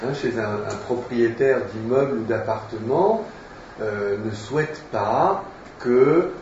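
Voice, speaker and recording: A male teacher giving a literature lecture, explaining at a slow, hesitant pace with frequent fillers. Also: mid-range voice, a little mellow, a little hiss or hum. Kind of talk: literature lecture, reading aloud. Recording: echoey room, distant mic, dull sound.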